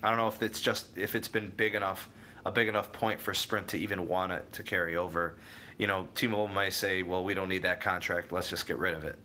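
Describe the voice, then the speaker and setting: Reading comments on his tech livestream, a young Cleveland-area American replies to viewers by name in a rambling way, often correcting himself partway through a thought. His voice sits low with fairly even intonation and a sharp tone, moving a little fast, with slight background noise.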